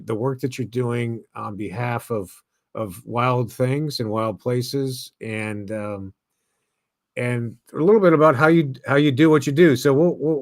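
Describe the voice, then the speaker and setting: Host: man with a mid-range voice and a dry, close sound, eager and halting. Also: mid-range voice, no room sound. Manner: eager, stumbling questions. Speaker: podcast host. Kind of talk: interview hosting.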